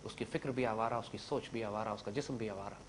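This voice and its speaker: A man with a Pakistani Urdu accent giving an impassioned religious lecture to young students, swinging between loud declaiming and low-voiced asides. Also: steady tone, fast, slight background noise.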